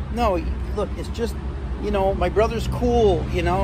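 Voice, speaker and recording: A man's voice comes at a moderate pace, the sound dry and echo-free, with loud noise in the background. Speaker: caller. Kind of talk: staged comedic phone conversation. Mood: nervous, placating. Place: street.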